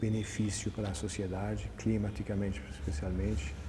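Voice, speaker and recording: There is audible room echo as a man with a fairly low voice speaks with a non-native accent. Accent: foreign accent in Portuguese. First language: not Portuguese (speaking Portuguese). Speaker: environmental aviator and project founder. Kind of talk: interview. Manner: halting, with fillers and repetitions.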